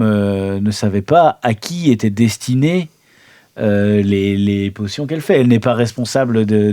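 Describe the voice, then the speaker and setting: A man's voice: mid-range voice, warm tone. A man playing in an improvised role-play, bantering casually in a joking, rambling way.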